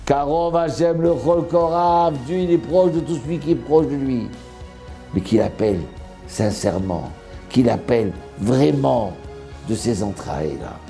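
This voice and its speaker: A man's voice: mid-range voice, unhurried, gravelly, warm tone, soft background music. A man, a rabbi, telling a dramatic story in a sermon and acting out the people in it. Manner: dramatic storyteller, voicing characters.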